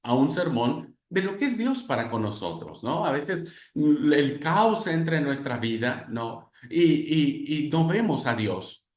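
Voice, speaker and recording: Animated man teaching preaching, echoey. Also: fairly high pitch, measured pace, hardly any pauses. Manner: animated storytelling with many fillers. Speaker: preaching instructor. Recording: echoey room.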